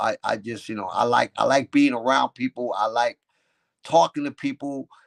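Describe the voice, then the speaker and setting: On a very clean recording with a silent background and a dry, close sound with no echo, a man speaks at a moderate pace and medium pitch with ordinary pitch variation. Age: 60s. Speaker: comedian. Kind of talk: casual interview chat. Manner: halting, many repetitions.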